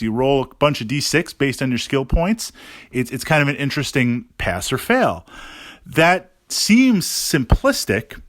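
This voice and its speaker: A man giving a casual podcast monologue as a gaming host, thinking aloud haltingly and repeating words for emphasis. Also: mid-range voice, fairly bright tone, no echo, studio quality.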